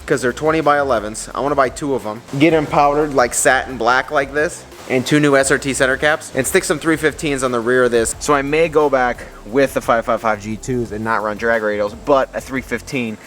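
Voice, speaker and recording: Casual male vlogger over clear background noise. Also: mid-range voice, fairly even intonation, fairly quick, few pauses, fairly bright tone. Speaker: vlogger reviewing truck tires. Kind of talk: casual chat, off-the-cuff vlog.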